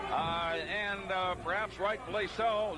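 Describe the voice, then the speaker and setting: In a raised, projected voice, a man speaks with a high pitch and ordinary pitch variation. Loud background noise surrounds him, though the sound is dry with no echo. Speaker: wrestling play-by-play commentator. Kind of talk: live wrestling commentary, play-by-play. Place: hall.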